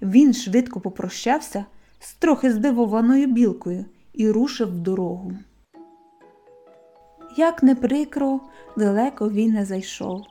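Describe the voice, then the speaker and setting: A woman narrates a children's story in a gentle, even way. Her voice is a little high but mellow and warm. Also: measured pace, soft background music.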